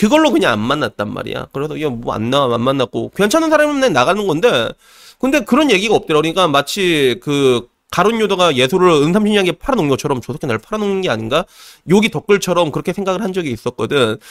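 A dry, close sound with no echo, a very fast pace, an animated tone and very wide pitch swings. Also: man, high pitch for a man. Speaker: dating and relationship youtuber. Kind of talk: casual monologue to camera.

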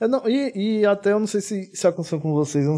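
Dark, mellow tone with lively intonation at a fairly quick pace, in a very clean recording with a silent background. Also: man. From Caruaru, Pernambuco, Brazil. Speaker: podcast co-host, audiovisual worker. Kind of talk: casual chat.

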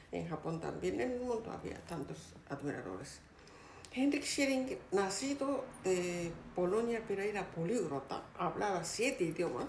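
Woman in a Japanese accent, medium-pitched with very wide pitch swings and a fairly slow pace, plus noticeable background noise and audible room echo. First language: Japanese (speaking Spanish). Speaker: violinist and music teacher. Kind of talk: interview.

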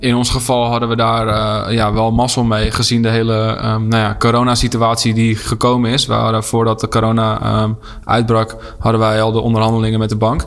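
Amid noticeable background noise, a man speaks at a moderate pace in a medium pitch with monotone, flat intonation. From Netherlands, IJmuiden. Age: 30s. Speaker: guesthouse owner. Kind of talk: interview. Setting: on location at guesthouse.

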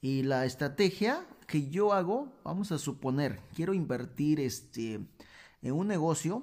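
A man's fairly high voice, lively in intonation and fairly slow, on a very clean recording with a silent background. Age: 20s. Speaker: motivational podcaster. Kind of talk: motivational monologue. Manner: halting, frequent repetitions and fillers.

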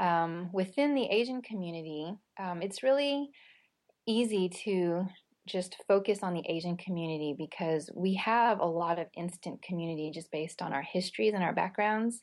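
With an American accent, a woman speaks in a normal speaking voice at a moderate pace. Her intonation is lively, and the recording is very clean with a silent background. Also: medium pitch for a woman. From US, Houston area (Taiwanese parents). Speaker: author and mother. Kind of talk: interview conversation.

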